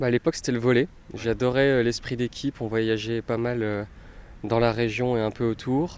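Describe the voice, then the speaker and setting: Fairly even in intonation, an unremarkable speaking voice keeps a moderate pace. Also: man, medium pitch for a man. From Lorraine, France (Metz, Moselle). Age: 20s. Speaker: adventurer. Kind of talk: interview.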